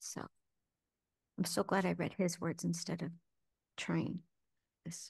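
Speaking at a fairly slow pace with long, frequent pauses, a woman has a fairly low voice, vocal fry, and monotone, flat intonation. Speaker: dharma talk teacher. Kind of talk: dharma talk. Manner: soft-spoken at times; halting.

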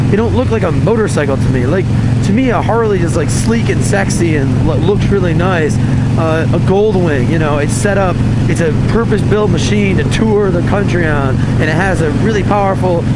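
A man speaks over loud background noise in a dry space with no echo. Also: moderate pace. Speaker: motorcycle rider vlogger. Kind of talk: casual vlog chat. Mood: opinionated, relaxed. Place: motorbike. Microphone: helmet.

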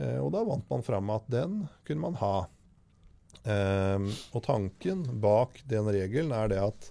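Slow-paced and fairly low-pitched, a man's voice has a dark, mellow tone. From Norway. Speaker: lawyer. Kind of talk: casual interview answering legal questions. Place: studio. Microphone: studio mic.

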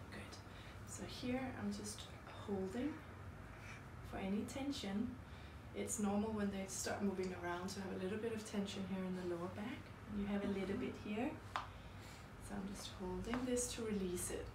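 A woman talks at a moderate pace, stopping often for long pauses. Noticeable background noise runs under her voice. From Denmark. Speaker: chiropractor. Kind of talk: explaining treatment while working, soothing baby talk. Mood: gentle, soothing. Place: office.

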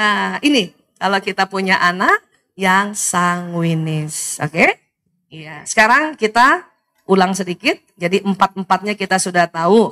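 A woman's bright, sharp, animated tone at a fairly slow pace, against a quiet background. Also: ordinary pitch variation, big swings in loudness. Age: 50s. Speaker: doctor and parenting speaker; speaker. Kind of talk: religious talk / lecture. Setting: mosque with audience. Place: hall.

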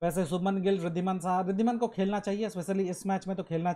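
A man speaks at a moderate pace with a high pitch and fairly even intonation. His tone is dark and mellow. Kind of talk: match analysis commentary. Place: home room.

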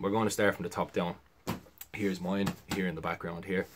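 Very deep and low in pitch, a man talks with ordinary pitch variation. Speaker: outdoor gear vlogger. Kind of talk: casual gear review talk. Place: home room. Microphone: phone near.

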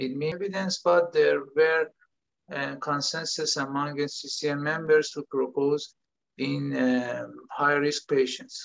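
Over a quiet background, someone speaks at a very slow pace in a Persian accent. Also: man. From Iran. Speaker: radiation oncologist; presenter. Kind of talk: panel discussion. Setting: video call. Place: home room. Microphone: video call.

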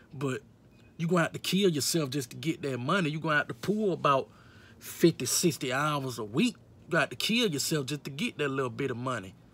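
A man's voice with ordinary pitch variation. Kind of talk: casual vlog chat. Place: car. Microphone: phone near.

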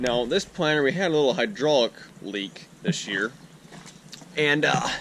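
With audible room echo around him, a man speaks at a fairly slow pace with lively intonation.

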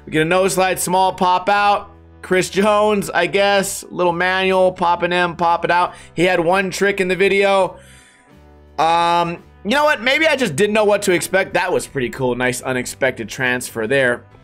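A man speaks at a moderate tempo, with faint music behind him. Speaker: video reviewer. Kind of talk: commentary. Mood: sarcastic, mildly impatient.

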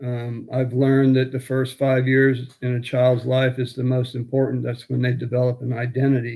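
A man speaks at a medium pitch and moderate pace, his intonation monotone and flat. He hardly pauses, and the background is quiet. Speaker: business owner in recovery. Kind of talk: testimony. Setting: video call. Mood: reflective, somber. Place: home room. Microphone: video call.

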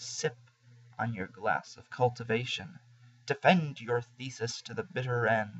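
Vocal fry at a fairly slow pace. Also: man. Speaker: poet. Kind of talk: spoken word poetry reading, performed from a home recording. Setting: home recording. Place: home room. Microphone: webcam.

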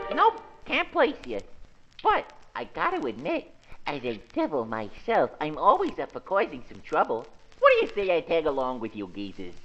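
A cartoonish character voice at a middle pitch and a moderate pace. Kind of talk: 1930s cartoon voice acting. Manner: cocky, breezy, teasing.

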